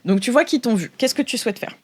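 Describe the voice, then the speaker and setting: A woman's voice: fairly high pitch, expressive, fast talker, darkish tone. A woman narrating an improvised tabletop game as game master, in a playful, informal, colloquial way.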